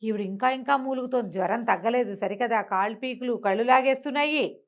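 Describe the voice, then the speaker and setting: A woman's voice: a little high, fairly quick. A woman storyteller telling a moral tale conversationally, repeating phrases and asking rhetorical questions.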